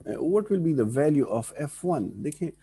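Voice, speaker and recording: A man with a South Asian accent teaches in a soft-edged, husky voice with a mellow, relaxed tone. He works through technical material as a lecturer, slipping between English and Hindi-Urdu phrases and putting short questions to his students. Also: on the high side, fast talker. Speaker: engineering lecturer. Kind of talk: classroom lecture with board working and questions to students.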